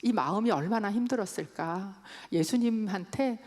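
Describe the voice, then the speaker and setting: A woman's voice: medium pitch, normal speed, darkish tone. A woman in her fifties, a pastor telling stories in a sermon and raising her voice when she quotes others. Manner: storytelling, quoting with raised voice. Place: church sanctuary. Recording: long hall reverb.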